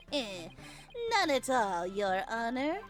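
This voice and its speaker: A woman's voice: on the high side, very animated, extremely slow, over music, full character voice. A woman voicing a smug, sneering male prosecutor with a condescending, theatrical delivery in a video game read-aloud. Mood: smug, mocking.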